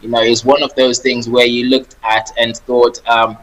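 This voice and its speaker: A man's voice: mid-range voice, level tone, normal speed, rough recording. A married man from Zimbabwe, a property investor and former engineer, talking as a guest on a radio show in a friendly, chatty way. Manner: friendly, laughing, talkative, repeats words. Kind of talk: radio interview.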